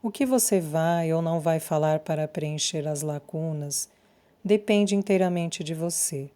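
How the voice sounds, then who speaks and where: Um homem sereno e protetor, lido por uma narradora de voz grave, fala devagar e com firmeza para acalmar alguém próximo. O tom é quente e abafado, com sotaque brasileiro, em leitura de audiolivro. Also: female voice, low-pitched, measured pace, dark tone. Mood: reassuring. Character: steady, protective adult man comforting a friend. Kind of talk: audiobook character reading.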